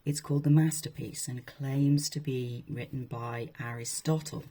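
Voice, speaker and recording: Casting: woman with a deep, soft-edged husky voice for informal readings of historical books, wryly amused. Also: steady tone, moderate pace. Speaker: presenter reading old texts. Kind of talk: informal talk with read-aloud passages from a historical book.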